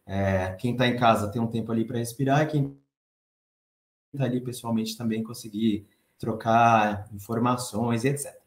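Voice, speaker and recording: A Brazilian man in his thirties gives an expressive, chatty conference talk. His voice is soft and light, and he sits at a middling pitch. The sound carries a clear room echo. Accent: Brazilian Portuguese. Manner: conversational, expressive, reads the chat aloud. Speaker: conference speaker.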